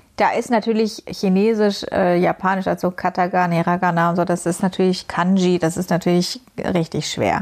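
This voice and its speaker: On a very clean recording with a silent background, a woman at medium pitch speaks in a monotone, flat intonation at a moderate pace, her loudness very even throughout. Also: hardly any pauses. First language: not German (speaking German). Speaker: podcast co-host, flight attendant. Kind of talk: casual chat.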